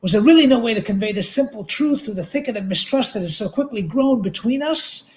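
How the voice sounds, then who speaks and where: A man with a noticeably high voice reads literary prose aloud. His delivery is measured and dramatic, in the manner of an author event reading. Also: animated. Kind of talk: literary narration read aloud.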